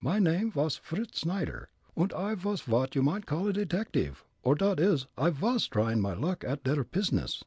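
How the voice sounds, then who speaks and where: Here is a jolly, shrewd young detective with a thick German accent, as a male narrator puts him on, talking in folksy broken English with a high, swooping voice. He sounds husky and close, with no room around him. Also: sing-song, normal speed, hardly any pauses, darkish tone, no echo. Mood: earnest. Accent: put-on German.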